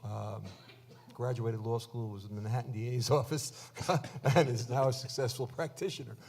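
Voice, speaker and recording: A man's voice: medium pitch, steady tone, normal speed, creaky, a little mellow. A man on a panel, telling a family story and chuckling as he goes.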